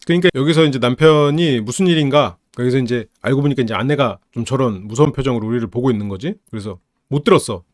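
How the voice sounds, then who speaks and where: A man hosting a psychology channel, casually analyzing a film, lively and laughing often as he acts out characters' lines. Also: medium pitch, quick pace, hardly any pauses, no room sound, clean studio sound.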